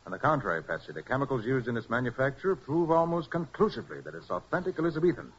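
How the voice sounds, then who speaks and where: An actor playing a determined private detective, brisk and commanding, with an American accent, in 1940s radio style. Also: male voice, medium pitch, big pitch swings, slightly rough. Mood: intent. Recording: muffled, noisy 1940s radio recording.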